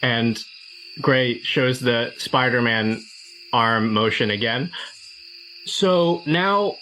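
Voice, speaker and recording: Game player, mid-range voice, slow casual delivery, faint night ambience behind. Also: medium pitch, sharp tone, slight background noise, rough recording.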